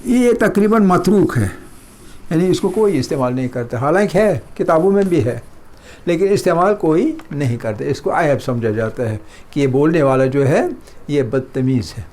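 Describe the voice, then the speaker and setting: A middle-aged man teaching a Persian lesson, repeating words slowly and explaining them in a mix of Hindustani and English. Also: on the high side, a little mellow. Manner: slow, drawn-out repetition of words. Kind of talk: slow classroom lesson.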